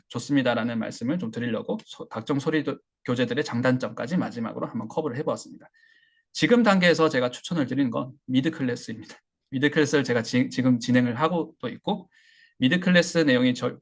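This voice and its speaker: Male instructor, gravelly and husky, mid-pitched; relaxed lecturing with fillers. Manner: relaxed, explanatory, many fillers and restarts. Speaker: English listening instructor. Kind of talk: online class lecture.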